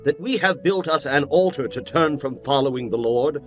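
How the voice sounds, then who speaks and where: A man's voice: mid-range voice, animated, moderate pace, fairly bright tone, close to an everyday voice. A man voicing an earnest, defensive tribal spokesman pleading his case in a dramatized scripture reading. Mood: earnest plea. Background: music underneath.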